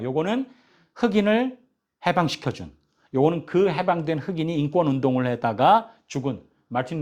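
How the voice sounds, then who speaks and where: A man in his fifties, a pastor giving a lively lecture in church, asking the audience questions and joking with them. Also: on the high side. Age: 50s. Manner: animated, asks the audience questions and jokes with them. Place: church hall.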